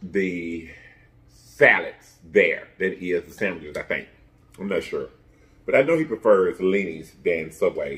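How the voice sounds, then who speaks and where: Loudness swings widely in this fairly slow delivery. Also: man. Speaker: food vlogger. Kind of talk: casual vlog chat. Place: home room. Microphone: phone near.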